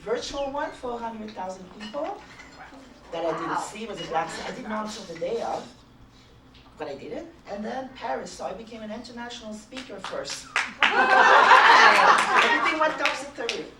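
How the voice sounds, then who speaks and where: A woman's voice: fairly high pitch, very animated, normal speed, very noisy. A middle-aged woman from Canada, giving a conference talk in a chatty, anecdotal way. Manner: chatty, anecdotal, laughs often. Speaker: conference speaker. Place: conference hall. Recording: echoey hall from far off.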